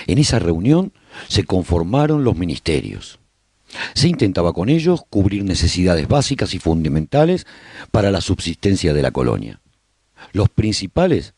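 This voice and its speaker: A man narrating a radio drama as an earnest, resolute survivor chronicling his colony in a solemn, deliberate way. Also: low-pitched, a little mellow, husky, dry recording, clean studio sound, heavily acted. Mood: measured, solemn.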